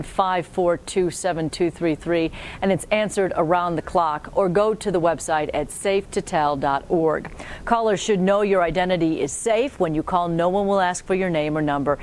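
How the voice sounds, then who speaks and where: Anchoring a local newscast at a moderate pace, an American woman sounds slightly mellow while keeping her newsreader delivery polished, formal, and scripted. Clear background noise with a low rumble runs through the recording.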